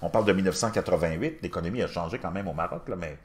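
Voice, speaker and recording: A man in his fifties with a Québécois accent, telling a personal story in a casual, animated way and talking straight to the listener. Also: deep voice, very fast, slight background noise. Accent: Québécois French. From Quebec. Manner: animated, addresses the listener directly.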